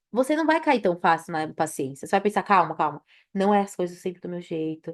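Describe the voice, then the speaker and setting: Against a quiet background, a woman talks at a very fast pace. Her pitch swings very widely. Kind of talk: lecture. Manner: casual.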